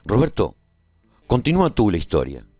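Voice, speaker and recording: A man playing a humane war survivor who recounts his own story in an expressive, reflective radio drama narration. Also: on the low side, moderate pace, no echo, faint music behind. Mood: calm recounting.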